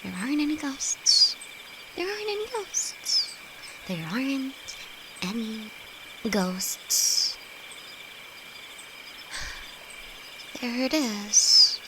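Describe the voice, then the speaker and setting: A woman's voice: high voice, lively intonation, drawn-out words, pauses often, background noise, heavily acted. A woman playing a timid young apprentice alchemist in an intimate audio roleplay, with nervous, hesitant, stammering delivery and frequent sighs. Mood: scared. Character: timid young female apprentice alchemist, easily frightened, sweet best friend. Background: crickets and night forest sounds.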